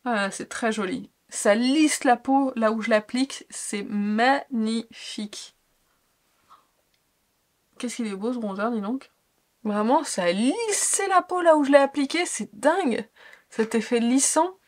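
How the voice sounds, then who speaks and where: Woman makeup vlogger, gushing and chatty, slightly high voice. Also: measured pace. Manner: enthusiastic, gushing, soft asides. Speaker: beauty vlogger. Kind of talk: casual makeup tutorial.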